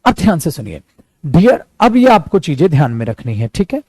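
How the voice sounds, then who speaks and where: A man with an Indian accent teaching a spoken English class, calling his students dear and son and drilling words by repetition, slowing right down for the English examples. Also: a little high, big pitch swings, darkish tone, dry recording. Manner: slows to a careful crawl for English example sentences.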